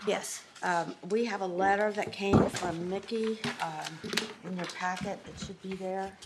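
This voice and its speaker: A woman's monotone, flat voice over noticeable background noise. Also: medium pitch for a woman, fairly slow pace. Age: 70s. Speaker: county council president. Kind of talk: public meeting. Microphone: audio issues in recording.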